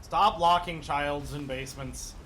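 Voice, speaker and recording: A man's voice: fairly high pitch, fairly even intonation, a little slow, fairly bright tone, a little hiss or hum, poor audio. A man running a tabletop game as game master, narrating and joking with the players. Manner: jokey, teasing the players.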